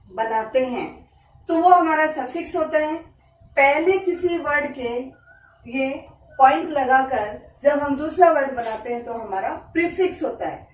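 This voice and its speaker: A woman with an Indian accent gives a slow classroom grammar lesson in a high voice, repeating each example word. She is recorded from some distance in an echoey room. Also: expressive, slight background noise. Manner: repeats example words slowly, explaining in Hindi. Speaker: teacher.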